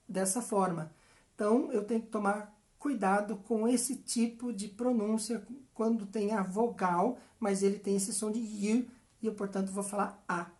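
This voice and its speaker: A woman with a Brazilian Portuguese accent, an English teacher explaining grammar patiently and repeating example sentences slowly. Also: mid-range voice, darkish tone. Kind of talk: explanatory language lesson.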